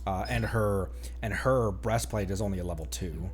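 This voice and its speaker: A man streaming a game, chatting casually in a rambling, halting way that often interrupts itself. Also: lowish voice. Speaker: game livestreamer. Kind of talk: casual gaming chat. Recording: music playing behind the voice.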